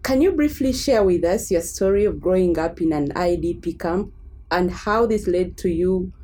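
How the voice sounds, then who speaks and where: A woman's voice: lowish voice, lively intonation, moderate pace, warm tone. A woman interviewing a guest, asking polite, formal questions.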